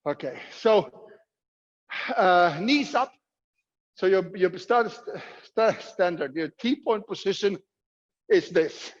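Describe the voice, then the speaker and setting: A man's voice: high voice, lively intonation, slow, pauses often. A man coaching a fitness workout, giving instructions and calling out drills in short commands with encouragement. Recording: muffled, echoey hall sound.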